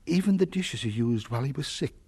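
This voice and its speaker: An actor playing a grieving, gentle gypsy father in a radio drama, speaking haltingly. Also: mid-range voice, animated, husky. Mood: tender, sorrowful. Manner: hesitant, halting.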